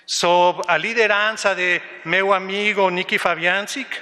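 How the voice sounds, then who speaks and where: A man's voice: high voice, fairly even intonation, bright, forceful tone. Man reading a speech in a hall. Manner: measured reading with some restarts. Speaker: UN agency representative. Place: large hall. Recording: distant mic in a reverberant hall.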